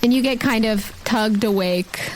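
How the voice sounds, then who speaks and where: A woman's voice: on the high side, a little slow, slight background noise, poor audio. A woman acting as game master, narrating a tabletop role-playing game in a descriptive, scene-setting way.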